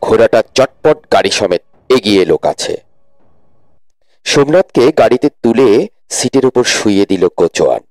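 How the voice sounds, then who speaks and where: A man's voice: fairly low pitch, expressive, normal speed, pauses often, a little mellow, no room sound. A man narrating a dramatic audio story expressively, rising with tension.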